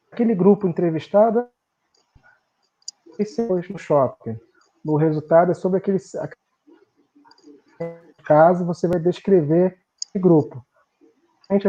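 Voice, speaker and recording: A man with a Brazilian Portuguese accent speaks in a mellow, dark voice over a video call whose audio keeps breaking up and cutting out. The sound is dull and lo-fi. He explains haltingly, restarting his phrases as a math teacher fielding audience questions. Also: sits high. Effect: choppy internet call audio cutting out. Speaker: guest lecturer, math teacher. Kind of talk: online talk answering questions.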